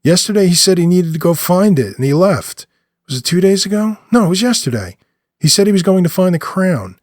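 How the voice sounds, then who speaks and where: Man playing a high-pitched, agitated, rambling street man. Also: animated, darkish tone, no echo, studio quality. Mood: agitated, confused. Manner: halting, repeats and corrects himself.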